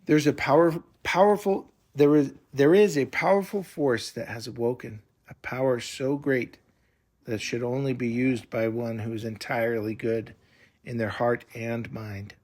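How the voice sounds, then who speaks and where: A man's voice: medium pitch, steady tone, normal speed, a little mellow, natural voice. A man voicing a mysterious hooded woman who speaks in solemn, ominous warnings for a children's fantasy story. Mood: grave.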